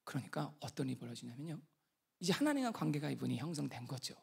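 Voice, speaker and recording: Animated gravelly-voiced male pastor preaching. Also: mid-range voice, fast talker. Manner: animated storytelling, acting out an angry missionary. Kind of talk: sermon. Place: church sanctuary. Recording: long reverb of a large church hall.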